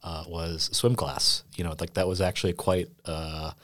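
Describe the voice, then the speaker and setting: A man's voice: deep voice, flat delivery, normal speed, a bit bright. A young man who went to school in Iceland, chatting reflectively on a podcast with many "you know" fillers. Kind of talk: casual conversation.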